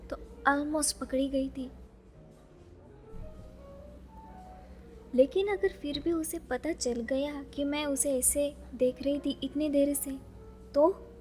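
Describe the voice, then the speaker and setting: A woman playing a chatty, dreamy young librarian who is easily flustered, musing softly to herself in an audio romance drama. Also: high voice. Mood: flustered, panicky.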